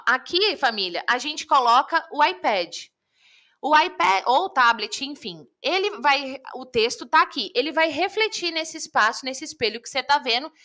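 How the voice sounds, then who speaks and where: A woman coach teaching public speaking in a live online lesson, lively and talking straight to viewers. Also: high voice. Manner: lively, addresses viewers directly.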